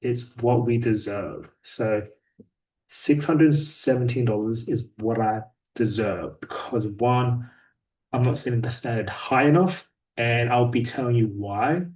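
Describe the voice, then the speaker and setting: A man giving a daily sales progress report in a flat, somewhat robotic, monotone delivery. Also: mid-range voice, measured pace. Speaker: sales rep vlogger. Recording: voice a bit distant from mic.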